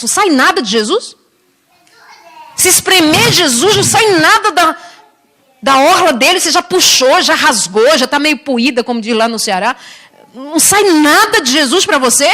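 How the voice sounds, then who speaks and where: A woman preacher delivers a sermon in a high, bright-pitched voice. She tells stories with strong expression, dropping low and soft for quoted lines and rising high for emphasis.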